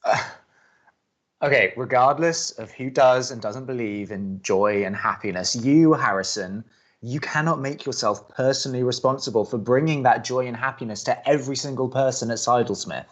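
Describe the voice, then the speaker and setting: An actor playing a wry, hesitant young college radio co-host who doubts everything, in an audio drama. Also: male voice, mid-range voice, normal speed, natural voice. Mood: earnest concern. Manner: hesitant, dry, sardonic. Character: Drew, wry reluctant skeptic male college radio co-host. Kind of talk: naturalistic audio drama acting.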